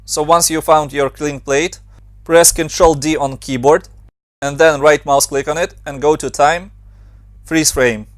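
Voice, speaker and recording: A young man from Ukraine with a Ukrainian accent, calmly talking through a software tutorial step by step. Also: on the high side, unhurried, no echo, clean studio sound. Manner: steady step-by-step instructions in non-native English. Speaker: motion design tutor. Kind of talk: screen-recorded software tutorial.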